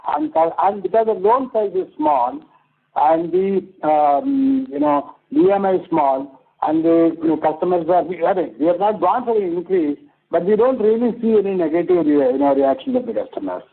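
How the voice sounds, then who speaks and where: A man with an Indian accent answering as a company executive on an earnings call, halting and repeating himself with many filler phrases. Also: high voice, expressive, vocal fry, husky. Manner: halting, repetitive, full of "you know". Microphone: conference phone call. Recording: muffled narrow phone line.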